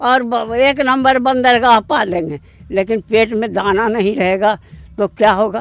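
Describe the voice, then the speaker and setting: This man's voice has ordinary pitch variation. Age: 70s. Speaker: retired teacher, protesting villager. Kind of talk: field interview.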